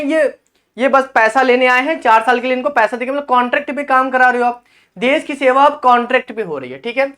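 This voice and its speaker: A man's voice: extremely high pitch, a bit bright. A man presenting an educational channel, giving an impassioned explainer on a document and addressing listeners as brother. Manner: slowly reads out English clauses.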